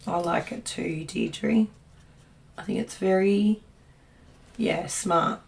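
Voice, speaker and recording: A woman co-hosting a casual craft livestream, hoarse and raspy as she recovers from losing her voice, chatting and reading viewer comments aloud. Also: medium pitch, slow, darkish tone, distant mic. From Australia.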